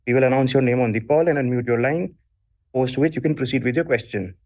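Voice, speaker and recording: A man's voice: mid-range voice, fast talker, a little mellow. A man moderating a conference call, formally reading a scripted announcement.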